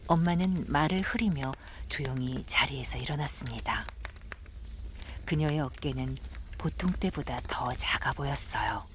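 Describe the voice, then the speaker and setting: A woman professional narrator reading a scripted audio drama in a measured, gentle storytelling manner. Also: very deep voice, noisy background.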